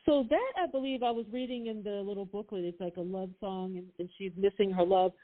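A woman's voice: mid-range voice, a little fast. A woman hosting an interview, speaking in a chatty, enthusiastic way. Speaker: host. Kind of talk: casual interview chat. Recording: tinny phone line.

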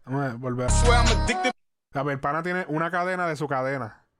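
A man's voice: fairly high pitch, fairly quick, loud music behind the voice. A man hosting a casual chat, rambling and restarting his sentences, swearing casually.

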